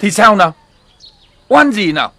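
A domineering village husband in a TV drama, bitter and commanding. His voice is gravelly and pitched high for a man, jumping sharply up and down. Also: sing-song, moderate pace, sharp tone, exaggerated voice. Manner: harsh, gravelly, barking commands. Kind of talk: TV drama acting.

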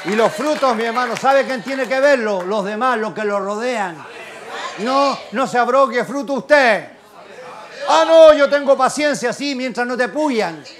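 Older chilean guy preaching, high voice, goes from quiet to shouting, keeps asking the church questions. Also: unhurried, a faint crowd. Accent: Chilean Spanish. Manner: fervent, swings from quiet asides to shouted exclamations; rhetorical questions to the congregation. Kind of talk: sermon. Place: church service.

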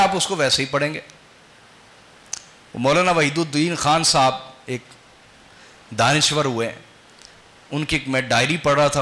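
Male preacher, bright tense tone, rhetorical questions, building emphasis. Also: a little high. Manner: quizzes the audience with rhetorical questions. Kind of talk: sermon.

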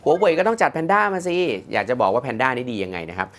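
A man presenting a smartwatch review in a chatty, lively way, with many polite fillers. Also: mid-range voice, fast talker. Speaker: tech reviewer.

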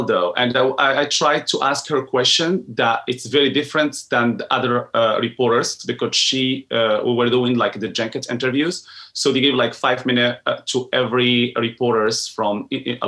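A man's voice: mid-range voice, sharp tone. A man in his forties, an entertainment reporter, answering interview questions hesitantly over a video call from home, with many restarts. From Morocco. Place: home room with a painting behind.

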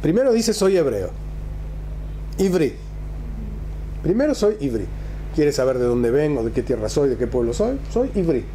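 A man's voice: a little high, very animated, moderate pace, long pauses, mellow, slight background noise, poor audio. A man, a rabbi teaching a religious text in a conversational way, with rhetorical questions and emphatic repetition. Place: small classroom, indoors.

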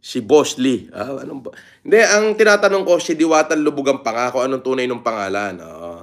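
A man's voice: mid-range voice, animated, brisk. A middle-aged man talking bluntly on a casual livestream, swearing openly and reading out viewer comments. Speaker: livestream vlogger.

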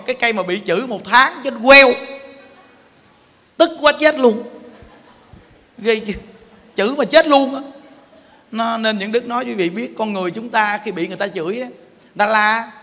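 A man preaching a Buddhist sermon in a Southern Vietnamese accent. He speaks emphatically and playfully and keeps putting questions to the audience. His voice sits high and sounds bright, with a long reverb from a big hall. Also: a little fast, pauses often. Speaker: Buddhist teacher.

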